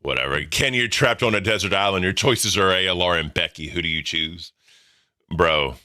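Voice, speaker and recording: A deep-voiced man in his thirties hosting a livestream, talking casually in a blunt, profane, rambling way. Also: moderate pace, sharp tone. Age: 30s. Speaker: livestream host. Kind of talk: casual chat.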